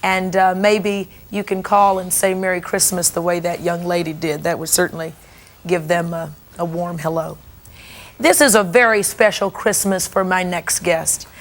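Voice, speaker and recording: A woman's voice: on the low side, steady tone, normal speed. Woman hosting a daytime talk show. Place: television studio with audience.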